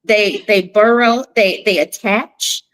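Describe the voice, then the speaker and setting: A woman in her mid forties co-hosts a casual live chat, her voice pitched in the middle for a woman. She talks in an easygoing way with plenty of ums and leans on catchy rhymes. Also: fairly even intonation, slow, a bit bright, rough recording. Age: 40s. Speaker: co-host.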